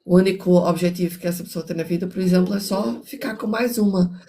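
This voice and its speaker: An older woman talks fast in a mellow, lowish voice while hosting a reflective discussion of a book she reads and analyzes. She thinks aloud, keeps restarting her thoughts, and drifts into moral asides.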